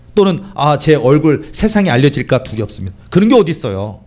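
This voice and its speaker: Very wide pitch swings mark this man's speech, delivered at a moderate pace. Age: 50s. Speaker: pastor. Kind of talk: sermon. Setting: church.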